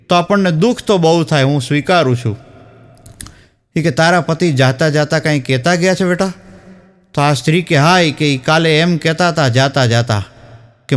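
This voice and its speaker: High-voiced man telling jokes. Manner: storytelling, acting out dialogue. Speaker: stand-up comedian. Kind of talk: telling jokes to a live audience.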